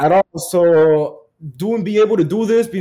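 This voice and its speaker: A man speaks in a high voice with a dark, mellow tone. The background is quiet. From Miami (born in Cuba, arrived age four). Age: 20s. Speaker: delivery driver. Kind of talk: casual interview.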